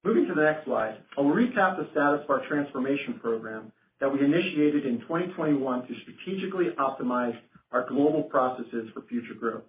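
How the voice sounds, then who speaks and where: A man's voice: medium pitch, expressive, brisk, hardly any pauses, a little hiss or hum. Man on a roomy, phone-like line. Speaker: company finance executive on an earnings call. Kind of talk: formal scripted financial presentation. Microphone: conference phone call.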